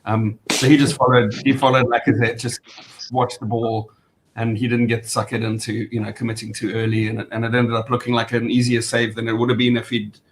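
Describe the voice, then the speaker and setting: Hesitant man with flat delivery, faint rumble. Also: fairly quick, low-quality recording. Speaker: football fan panellist. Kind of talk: casual post-match analysis. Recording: faint rumbling background noise.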